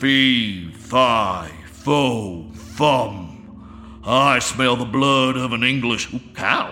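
A man in a put-on character voice speaks very slowly at a medium pitch with hardly any pauses, over clear background noise. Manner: menacing, booming.

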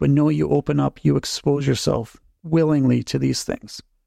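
At a moderate pace, the speaker talks with a Canadian accent. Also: man, dry, close sound with no echo. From Saskatchewan, Canada. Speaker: author. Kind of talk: interview.

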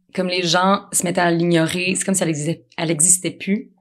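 A woman talks very fast in a fairly low pitch. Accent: Quebec. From Quebec, Rive-Sud. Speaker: actress. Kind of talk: casual interview chat.

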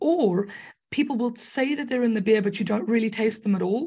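A woman speaks at a fairly high pitch with ordinary pitch variation, her tone dark, mellow and somewhat breathy. The background is quiet. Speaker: podcast host. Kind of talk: casual chat.

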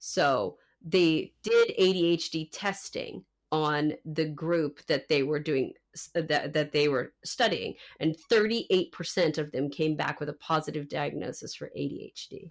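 A woman's very deep, low pitch with ordinary variation and big swings in loudness, at a fairly slow pace, in a very clean recording with a silent background. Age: 40s. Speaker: podcast co-host. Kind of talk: casual chat.

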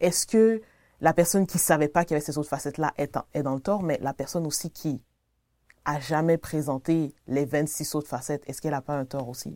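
A woman with a Quebec accent speaks at a fairly quick pace, her very deep, low voice dark and mellow with ordinary pitch variation. The recording is very clean and dry, close-miked with a silent background and no echo. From Quebec, Le Gardeur suburb. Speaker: interviewee. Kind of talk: interview testimony. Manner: halting.

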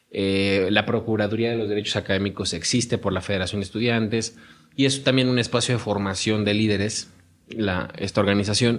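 In a normal speaking voice, the speaker moves at a fairly quick pace with fairly even intonation. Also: man, fairly low pitch for a man. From Mexico, Cuernavaca (Morelos). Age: 20s. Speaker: student leader. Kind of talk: casual chat.

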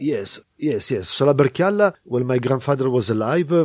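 The intonation is lively. A man speaks with an Italian accent. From Piedmont, Italy. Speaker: winemaker. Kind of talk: casual interview. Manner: halting, hesitant.

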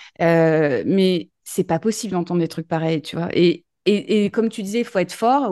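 Ordinary pitch movement and a moderate tempo from a woman. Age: 40s. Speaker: business owner. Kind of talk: interview. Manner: halting.

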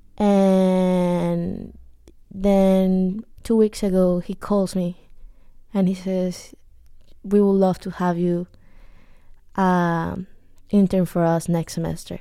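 A dark, mellow voice with a Colombian accent, monotone and flat, at a very slow pace with long, frequent pauses, on a very clean recording with a silent background. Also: woman, medium pitch for a woman. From Colombia, Caribbean coast (Barranquilla). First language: Spanish. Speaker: student filmmaker, film club president. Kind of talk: casual interview. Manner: laughs often.

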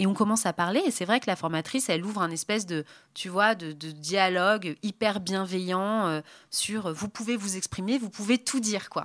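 On a very clean recording with a silent background, a woman with an ordinary speaking voice talks at a moderate pace, medium in pitch with ordinary pitch variation. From Normandy, France. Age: 40s. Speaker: comedy venue manager and producer. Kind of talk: casual chat. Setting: studio on a barge.

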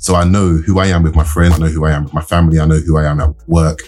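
A man's very deep, low voice at a very fast pace, with fairly even intonation and music in the background. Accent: British. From UK. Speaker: podcast co-host. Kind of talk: casual chat.

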